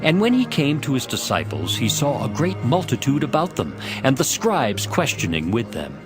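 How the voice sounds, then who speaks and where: A man narrating scripture as a dramatized story, in a measured and expressive storytelling manner. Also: mid-range voice. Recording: music behind the voice. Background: music.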